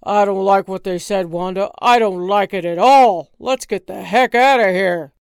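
A woman's voice: lowish voice, expressive, unhurried, no echo, clean studio sound. A woman voicing a nervous, complaining middle-aged husband who wants to go home. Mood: fretful. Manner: whiny, complaining, reluctant.

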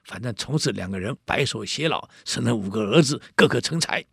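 A man telling a classic ghost story to an audience in a chatty, lively way, full of asides to his listeners. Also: medium pitch, a little fast, creaky, breathy edge, no room sound, studio quality. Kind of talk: casual oral storytelling to an audience.

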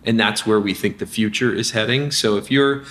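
With a fairly low voice and a moderate pace, a man who founded a company chats as a guest in an informal business interview. He's lively, often backtracking mid-sentence and leaning on fillers.

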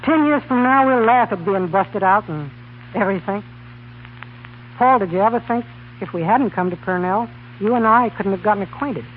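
An actor playing an earnest, boyish young college student in a 1930s radio comedy. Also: male voice, high voice, normal speed, close to an everyday voice. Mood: consoling. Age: young adult. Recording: scratchy, tinny 1930s radio broadcast.

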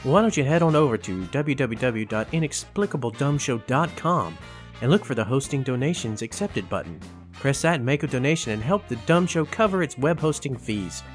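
Animated man reading an appeal. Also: medium pitch, a little fast, faint music behind. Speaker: announcer. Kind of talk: scripted donation appeal.

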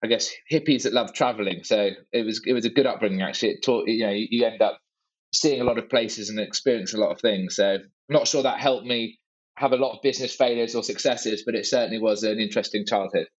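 A startup founder in his forties, born in Hong Kong and raised abroad, answers questions in a conversational interview as the guest. He talks fast at a fairly low pitch, using dry, self-deprecating humor and plenty of hesitant fillers. The audio sounds dull.

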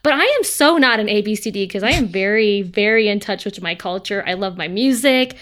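An American woman in casual chat about a show, enthusiastic and quick to laugh. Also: mid-range voice, lively intonation, fairly bright tone. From United States.

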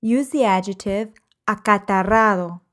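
A woman teaching a language podcast lesson at a slow, unhurried pace. Her voice sits at an ordinary middle pitch, and she reads each example sentence in clear, measured phrases. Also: fairly bright tone.

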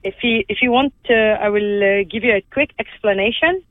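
A woman from Lebanon whose first language is Armenian joins a conversational interview as a guest over a phone line. She's earnest and halting, with many restarts, in a mid-range voice on a dry recording.

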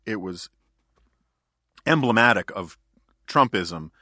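A man's voice: lowish voice, animated, slow pace, sharp tone, dry recording, studio quality. A male podcast host in casual political chat, talking in a wry, joking, digressive way.

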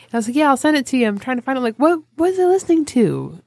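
A woman's voice: high voice, sing-song, rapid-fire, gravelly, darkish tone, no echo. A woman co-hosting a podcast, talking in a chatty, casual way with some swearing and playful teasing. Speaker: podcast co-host. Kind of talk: casual chat.

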